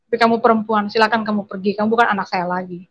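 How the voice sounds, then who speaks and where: A woman's voice: mid-range voice, fairly even intonation, racing, lo-fi sound, lightly acted. A woman quoting her angry, strict middle-aged father in a harsh, scolding tone.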